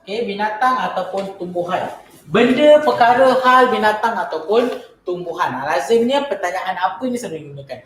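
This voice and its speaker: A woman's voice: medium pitch, animated, moderate pace, roomy sound, a little hiss or hum. A woman with a Malaysian accent teaching a Malay grammar lesson online, acting out the example questions she asks and answers herself. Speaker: Malay language tutor.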